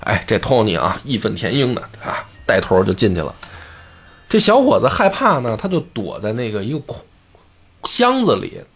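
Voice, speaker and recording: A man telling a folk tale in a chatty, colloquial way, full of lively asides. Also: mid-range voice, moderate pace, gravelly, slightly rough. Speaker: storyteller. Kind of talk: casual storytelling.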